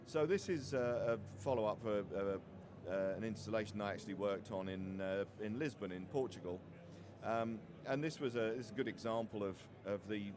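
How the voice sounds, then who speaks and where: A middle-aged man giving a technical slide presentation, halting and often repeating words as he goes. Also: on the low side. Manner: hesitant, halting delivery with frequent stumbles and repeated words. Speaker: industry conference presenter. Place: open presentation area at a trade show. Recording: noisy busy trade show floor.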